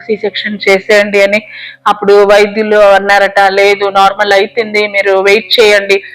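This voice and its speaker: A young woman giving an earnest, devout religious testimony in a steady retelling. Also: mid-range voice, rough recording. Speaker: church member giving testimony.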